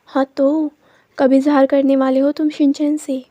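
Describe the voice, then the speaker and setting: A woman's voice: high-pitched, level tone, a little slow, mellow, no room sound. A woman voicing a bossy, caring young woman who teases and gives orders, read in a storytelling voice. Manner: teasing and commanding.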